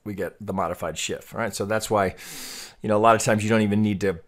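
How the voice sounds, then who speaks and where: A man giving an off-the-cuff trading chart tutorial, thinking aloud in a halting way and often repeating his words. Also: on the low side, fairly even intonation. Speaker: trading analyst and host.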